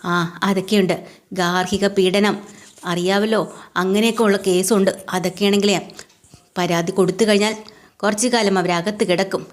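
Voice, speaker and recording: A scheming middle-aged mother who pushes others around and turns on dramatic wailing when it suits her, as a woman retelling a serial puts her on. She speaks at an ordinary pitch, her manner forceful and theatrical. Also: steady tone, normal speed, long pauses, close to an everyday voice. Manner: pushy and dramatic, wailing in fake distress.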